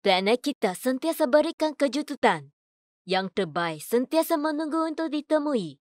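A woman reading scripted voice-over in a measured, clearly enunciated way. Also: on the high side, no room sound, studio quality. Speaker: voice-over artist. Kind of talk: scripted voice-over demo: adverts, narration, announcements.

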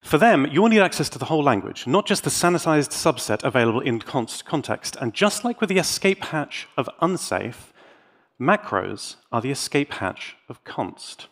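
A man's voice: fairly high pitch, big pitch swings, moderate pace, fairly bright tone. A man giving a technical conference talk in a playful, enthusiastic manner, with rhetorical asides. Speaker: conference speaker and tech YouTuber. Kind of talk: live technical presentation.

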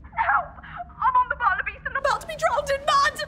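A woman playing an excitable young female crew member in a children's space comedy, shouting and theatrical. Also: very high voice, a little fast, full character voice. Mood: frantic.

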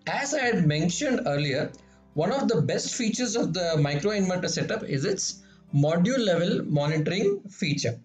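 A man's voice: high voice, lively intonation, moderate pace, soft background music. Man narrating an app demo in an echoey room. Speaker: solar engineer presenter. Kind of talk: voice-over demo of monitoring app.

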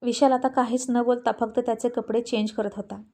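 A woman narrating a serialized family drama story at a measured, steady pace. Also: a little high.

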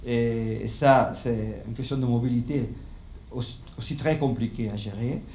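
Speaking French as a non-native, a middle-aged conference speaker with a Spanish accent lectures live, hesitant and often searching for words. His mellow, medium-pitched voice moves at a moderate pace with fairly even intonation. The echoey indoor lecture room holds a seated audience, and his handheld mic picks up slight background noise.

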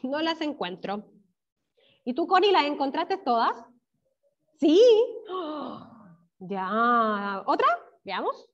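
This Chilean primary teacher speaks in a high, sing-song, fairly bright voice and an unhurried pace during an online class for little children. Encouraging throughout, she praises students by name and pulls words out syllable by syllable, while the video-call sound stays dull.

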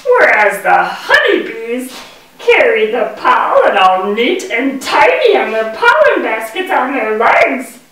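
A woman's voice: on the high side, wildly swooping pitch, takes it slowly, fairly bright tone, heavily acted. Woman as a bubbly bee puppet in an echoey room. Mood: boastful. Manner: boastful, theatrical, sing-song rhyming delivery. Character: proud, bubbly talking male mason bee puppet. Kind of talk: children's puppet show performance. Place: indoor puppet stage, far from the mic. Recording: echoey room, distant microphone.

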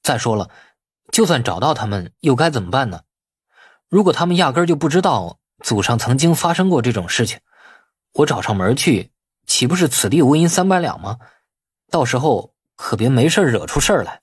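Man acting a wily nephew, husky and animated. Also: mid-range voice, a little fast, dry recording, clean studio sound. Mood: defensive, reluctant. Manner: colloquial, argumentative, glib. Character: wily younger nephew, outwardly deferential, privately grumbling. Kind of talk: audiobook character acting.

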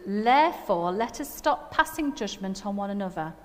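A middle-aged woman with a Nottingham accent preaches in a reverberant hall. Her voice sits at an average pitch, and she talks in a chatty, self-deprecating way, often checking in with tag questions. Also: animated, normal speed. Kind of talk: informal sermon with personal anecdotes. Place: church hall stage at a lectern. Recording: echoey hall with long reverb.

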